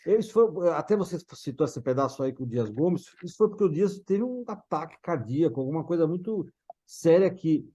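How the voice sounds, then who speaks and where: Mellow, higher-voiced Brazilian man reminiscing. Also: expressive, breathy edge. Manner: halting, restarts phrases. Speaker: guest recalling a parent's career. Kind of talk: casual reminiscing conversation.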